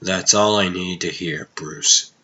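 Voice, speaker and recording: A man's voice: sits low, fairly even intonation, slow pace, highs cut off, heavy background noise. A man voicing a caring, hopeful superhero in an earnest, reassuring way for a dramatic comic dub.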